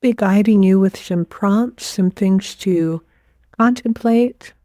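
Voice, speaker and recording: A woman leading a guided meditation as a teacher, giving gentle, unhurried instructions with pauses. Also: mid-range voice, dry recording, studio quality.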